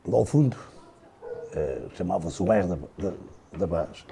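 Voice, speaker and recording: An older Portuguese man, a podcast guest, slowly recalling his family's past in a halting, unhurried way with many restarts. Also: low-pitched, expressive, gravelly, warm tone, slight background noise. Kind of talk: casual reminiscing.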